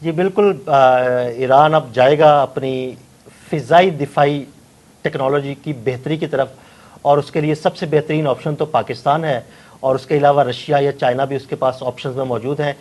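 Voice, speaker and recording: A man hosting a news talk show, agreeable and steady as he puts questions and wraps up. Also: mid-range voice. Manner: agreeable, keeps affirming the guest. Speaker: show host.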